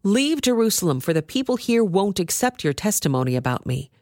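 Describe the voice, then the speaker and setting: A woman's voice: mid-range voice, sing-song, brisk, darkish tone, no echo, studio quality, close to an everyday voice. A woman reading as a commanding divine man's voice. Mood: solemn urgency. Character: Jesus, a commanding male divine voice. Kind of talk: scripture reading.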